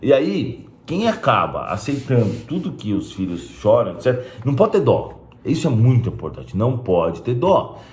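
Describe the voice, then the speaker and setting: A man's voice: mid-range voice, sing-song, normal speed, hardly any pauses, darkish tone, slight background noise. A man giving a blunt, emphatic casual talk to camera as a spiritist video host. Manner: blunt and emphatic, with frequent "né?" asides. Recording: roomy echo.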